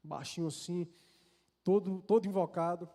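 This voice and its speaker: The long echo of a large church hall surrounds a man preaching with a Brazilian Portuguese accent. His high-pitched, dark voice holds steady at a moderate pace while he confesses a personal story earnestly, repeating and restarting words often.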